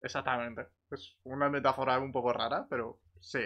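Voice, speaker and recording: A man with an accent from Spain chatting casually over a voice call, in a halting way that repeats words. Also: mid-range voice, flat delivery. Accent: Spanish from Spain. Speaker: gamer in a voice chat. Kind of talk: casual chat. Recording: slightly dull voice-chat audio.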